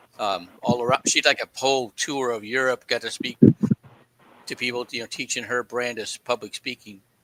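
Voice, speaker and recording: Medium in pitch, this man's voice has a bright, sharp tone and a monotone, flat intonation. He speaks at a moderate pace, with a dry, close sound and no echo. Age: 60s. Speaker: former navy seal and public speaker. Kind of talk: casual interview. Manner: halting.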